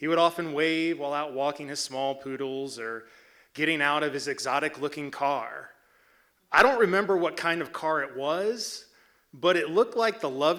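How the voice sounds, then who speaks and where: This man has an unremarkable speaking voice, talking at a moderate speed with ordinary pitch variation. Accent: American. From Richmond, Virginia. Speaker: storyteller. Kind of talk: live storytelling performance.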